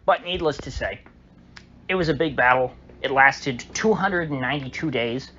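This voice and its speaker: A man's voice: medium pitch, normal speed, sharp tone. Rambling man with lots of ums. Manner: rambling, hesitant, many fillers and restarts. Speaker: political commentator. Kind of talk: casual solo commentary. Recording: dull lo-fi audio with faint hiss.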